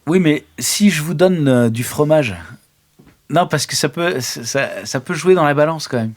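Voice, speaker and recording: A man's voice: a little high, moderate pace. Joking, rambling man improvising role-play.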